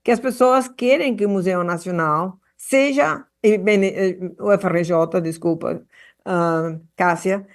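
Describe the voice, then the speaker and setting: Woman addressing a hearing remotely, earnest, full of stops and restarts, mid-pitched. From Argentina. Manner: halting, many restarts and fillers; passionate, earnest. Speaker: guest speaker at a public hearing.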